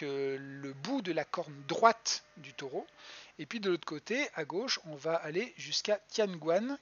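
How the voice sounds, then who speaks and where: A planetarium educator, a man, explains stars in a chatty, halting way, full of fillers and restarts. His voice sits fairly high and sounds husky, and the muffled lo-fi audio suggests a home computer mic on a live stream. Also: fairly bright tone. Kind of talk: live-streamed astronomy lesson.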